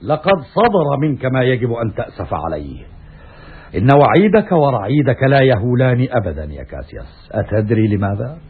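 An actor playing a stern, righteous Roman commander, declaiming with scornful anger in classical Arabic radio theatre style, with a husky voice. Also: male voice, medium pitch. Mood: righteous indignation. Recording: muffled, raspy, phone-like old radio recording.

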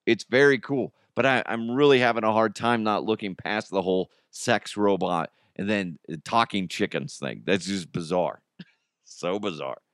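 A man's voice: on the low side, moderate pace, fairly bright tone, dry recording, studio quality. A man hosting a podcast with casual, jokey comedic commentary on the news. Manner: jokey, chuckles at own jokes. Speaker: podcast host.

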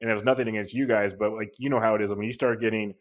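Loud, low-voiced podcast host. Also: male voice, steady tone, very fast, highs cut off. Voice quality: loud, carrying voice. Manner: earnest and rambling, with many restarts and laughs. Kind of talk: casual podcast chat.

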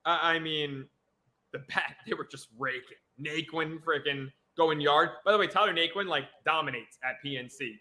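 Energetic New man co-hosting a sports podcast; bright, slightly high voice. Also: normal speed. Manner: excitable, energetic, jokey. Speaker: podcast co-host. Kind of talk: casual sports podcast chat.

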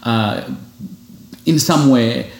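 A man's voice: mid-range voice, very slow, reverberant. A man from Uganda, a single foster father, talking earnestly and reflectively as an interview guest, with many "you know" fillers. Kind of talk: casual interview conversation.

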